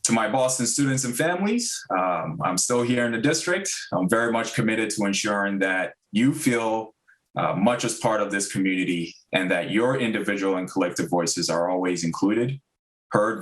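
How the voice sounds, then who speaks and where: A man's voice: on the low side, lively intonation, normal speed, fairly bright tone. A man in his thirties from Ghana, giving earnest prepared remarks at a public school meeting with frequent fillers. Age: 30s. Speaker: district diversity director.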